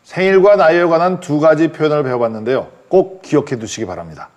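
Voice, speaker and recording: A man in his forties teaching a language class, explaining patiently and slowly, with frequent restarts. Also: fairly high pitch, a little mellow, slight background noise. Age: 40s. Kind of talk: classroom instruction.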